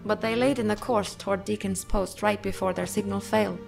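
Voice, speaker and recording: A woman playing a stately empress in an audio drama, with formal, measured and commanding delivery. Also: medium pitch, fairly even intonation, gravelly, music in the background. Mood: grave, commanding.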